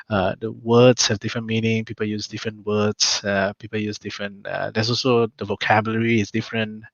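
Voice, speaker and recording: A young man, thoughtfully sharing his experience in a casual discussion, often pausing on "uh". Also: lowish voice, vocal fry, fairly bright tone, no echo. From Malaysia. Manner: thoughtful, frequent "uh" hesitations. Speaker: panel guest. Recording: dull lo-fi dry sound.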